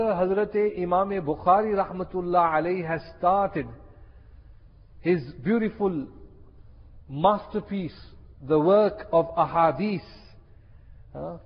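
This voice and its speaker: This sermon comes from a man with a high voice who preaches with passion and hammers home key phrases by repeating them. It was captured in an echoey hall with muffled, low-fidelity audio.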